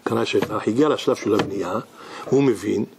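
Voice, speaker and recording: A male rabbi giving a lesson with lively storytelling in a synagogue, throwing asides to the audience. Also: fairly low pitch, gravelly, slight background noise.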